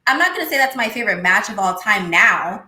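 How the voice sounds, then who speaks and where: A woman in her thirties with a high-pitched voice, talking in a casual, outspoken way as a guest on a video call interview. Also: fast. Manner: animated, outspoken, swears casually. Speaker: interview guest, former wrestler. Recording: echoey room.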